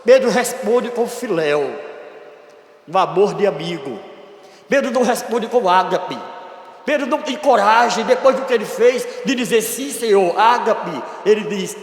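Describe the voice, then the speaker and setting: Brazilian male church elder, high voice, earnest sermon, booming church reverb. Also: lively intonation, normal speed. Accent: Brazilian Portuguese. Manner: earnest, emphatic preaching with bursts of loud stress and softer dramatic drops. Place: church hall. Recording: echoey church hall with long reverb.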